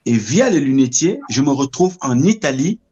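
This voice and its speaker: A middle-aged man from Cameroon, telling his story as an interview guest in a measured, reflective way, often pausing to search for words. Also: mid-range voice, sing-song, a little mellow, breathy edge, lo-fi sound.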